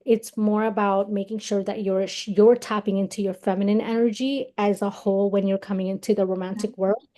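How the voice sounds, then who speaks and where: Young woman from Pakistan, co-host coach, measured webinar delivery, warm voice. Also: mid-range voice, little pitch movement. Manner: measured, reflective, personal examples. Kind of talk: live webinar talk.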